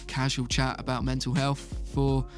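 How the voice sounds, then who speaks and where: A young man hosting a casual chat, relaxed and laughing often. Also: mid-range voice, moderate pace, faint music behind. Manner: laid-back, laughs often, British slang. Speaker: podcast host.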